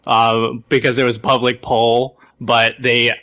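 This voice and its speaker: A man with a bright, medium-pitched voice plays a tabletop game. He improvises casual chat in character, haltingly. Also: little pitch movement.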